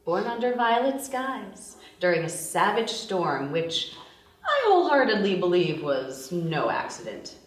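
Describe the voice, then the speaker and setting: A woman's voice: mid-range voice, big pitch swings, unhurried. A woman playing a brash twenty-four-year-old party girl and jewel thief, narrating her story in a wry, confessional way at a table read. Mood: storytelling, proud. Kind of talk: dramatic voice-over at a table read. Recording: echoey room, distant microphone.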